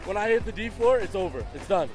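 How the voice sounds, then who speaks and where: A man's voice: sits high, lively intonation, fast talker. A cocky young man giving casual banter as an interviewee on the street. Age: young adult. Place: outdoors at a crowded street party. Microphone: handheld microphone. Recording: outdoor crowd with music behind.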